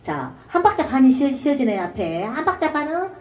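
Woman vocal coach teaching trot, high animated voice, echoey room, sits back from the mic. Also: brisk, far from the mic, a little hiss or hum. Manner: demonstrates lines by singing, belts short shouts. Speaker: singing teacher. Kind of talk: trot singing lesson.

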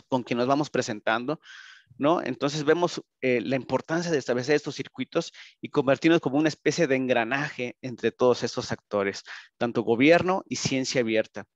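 A man with a Mexican Spanish accent giving a conference presentation over a video call, speaking haltingly with frequent tag questions. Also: mid-range voice, dry recording. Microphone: video call, computer microphone. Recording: dull, lo-fi video call audio.

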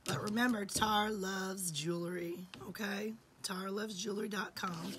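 A woman in her forties hosting a live jewelry sale from a home studio, hoarse from losing her voice and often dropping to a whisper, chatty and affectionate. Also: medium pitch, steady tone, normal speed, fairly bright tone, slight background noise. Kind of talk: live-stream sales chat.

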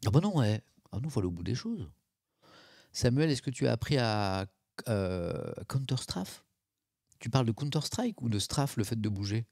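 A man's voice: mid-range voice, sing-song, moderate pace, creaky, darkish tone, no echo, studio quality. A man, chatting casually on a live stream, reacting to chat and mocking himself.

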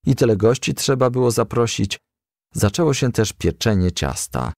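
A man narrating a children's storybook in an expressive, scripted reading style. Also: medium pitch, moderate pace, creaky, dry recording, studio quality. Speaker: audiobook narrator.

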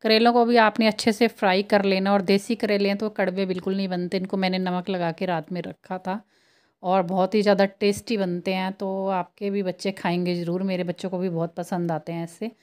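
A woman's voice: mid-range voice, little pitch movement, a little fast, darkish tone. Woman, 30s, casual cooking vlog voice-over, chatty explainer. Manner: chatty, explaining step by step to viewers. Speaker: home cooking vlogger.

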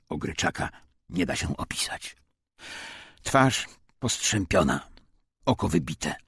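A man narrates a war memoir with grave drama, his voice very low and heavily husky. The reading is scripted and expressive, with lively rises and falls in pitch. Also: no room sound, clean studio sound. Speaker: audiobook narrator. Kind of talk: scripted first-person war memoir narration, acting out quotes.

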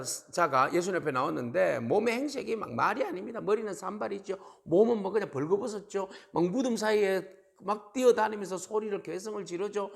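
A male pastor giving a sermon, telling the story with animated emphasis. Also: sits high, vocal fry.

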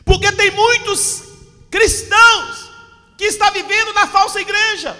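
A pastor in his forties delivers an impassioned Pentecostal sermon with fiery fervor, his very high, bright, forceful voice often rising to a shout, though his intonation stays fairly even and his pace a little slow. He speaks into a handheld mic in a church hall with a stage backdrop, and a long reverb trails his words.

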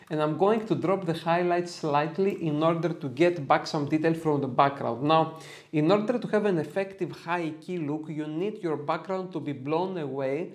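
His voice a little high and darkish, a Greek-accented man in his thirties gives a friendly, upbeat photo editing tutorial peppered with casual asides. He jokes about himself while working in a small red-lit home studio.

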